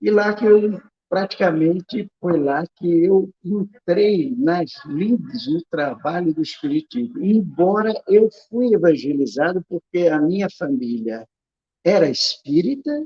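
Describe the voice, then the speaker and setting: A man talks very slowly in a high pitch. His pitch swings very widely. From Brazil, Barra do Piraí (Rio de Janeiro state). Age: 80s+. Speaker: retired spiritist center volunteer. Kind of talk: interview. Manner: halting.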